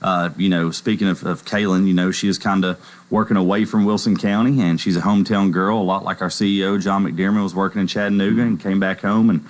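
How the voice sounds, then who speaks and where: A man's voice: low voice, fairly even intonation, fast talker. A man from Middle Tennessee, a bank executive promoting a community expo on local radio in an affable way with many fillers. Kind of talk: radio interview.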